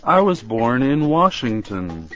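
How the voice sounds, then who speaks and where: Slow, careful man repeating drills. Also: mid-range voice, big pitch swings, fairly bright tone. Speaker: drill speaker in language lesson. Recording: dull recording with faint music.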